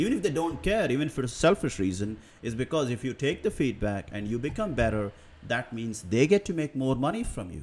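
Speaking with an Indian accent at a fairly quick pace, a man with a medium pitch makes very wide pitch swings. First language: regional Indian language. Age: 40s. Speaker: freelancer and small business owner, podcaster. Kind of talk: solo podcast monologue. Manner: hesitant, many fillers.

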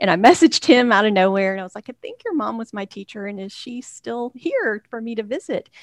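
In an unremarkable speaking voice, a woman with an American accent talks at a fairly quick pace with hardly any pauses, her fairly high pitch showing ordinary variation and her loudness swinging widely, all in a dry, close sound with no echo. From Texas. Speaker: digital organization consultant, business owner. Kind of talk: podcast interview.

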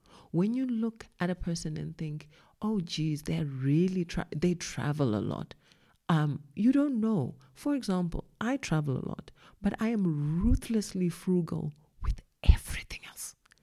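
A dark, mellow tone with very wide pitch swings comes through in a very clean recording with a silent background. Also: woman, fairly low pitch for a woman. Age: 30s. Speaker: podcast host, lawyer. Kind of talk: solo podcast monologue. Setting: home recording in lounge.

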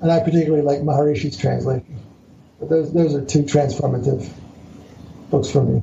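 Noticeable background noise sits behind a man with an American accent and a fairly high pitch. He talks at a fairly quick pace but leaves long, frequent pauses. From Philadelphia area, US. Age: 70s. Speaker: author and entrepreneur. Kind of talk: casual interview chat. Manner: animated, rambling, repeats words.

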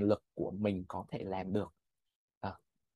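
In a quiet background, a man talks at a fairly slow pace with a dark, mellow tone. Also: dry, close sound with no echo. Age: 20s. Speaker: UX writer and designer. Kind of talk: casual interview chat.

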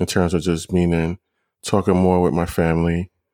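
In a New York accent, a man speaks at a moderate pace in a very deep, low pitch with a dark, mellow tone and monotone, flat intonation, on a very clean recording with a silent background and dry, close sound with no echo. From Brooklyn, New York (Canarsie). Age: 30s. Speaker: host's partner, father. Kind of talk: casual chat. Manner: halting.

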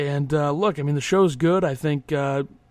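A man speaks at a moderate pace in a fairly high pitch. He has an ordinary speaking voice. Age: 20s. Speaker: sports podcast host. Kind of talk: solo podcast monologue. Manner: casual, filler-heavy.

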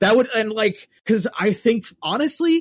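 A man with an American accent speaks with lively intonation in a dry, close sound with no echo. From Cincinnati, Ohio, US Midwest. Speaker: actor. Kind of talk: casual chat. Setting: video call.

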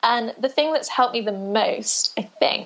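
At a moderate pace, a woman speaks with a British RP accent and fairly even intonation. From southern England. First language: Portuguese. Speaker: marketing and brand consultant. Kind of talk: casual chat.

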